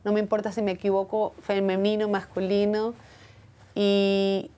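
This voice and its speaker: Earnest, reflective woman with a mellow voice. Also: mid-range voice, level tone, moderate pace, smooth. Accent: foreign accent when speaking Hebrew. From from outside Israel. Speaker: interview guest. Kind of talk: reflective personal interview.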